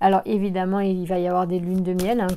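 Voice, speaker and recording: Dark and mellow in tone, a woman's voice sits at a medium pitch. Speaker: tarot card reader. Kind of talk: tarot reading video. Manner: halting, many hesitations.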